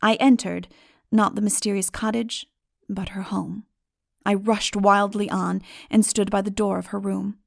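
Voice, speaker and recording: A woman reading a literary story as a dramatic audiobook narrator, solemn, measured and expressive. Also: medium pitch, gravelly, no room sound, clean studio sound.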